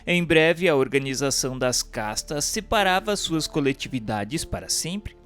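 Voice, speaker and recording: A man's voice: on the high side, animated, moderate pace, a bit bright. A man with a Brazilian accent giving a solemn, formal, declamatory scripted narration of a religious text. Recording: music bed under the voice.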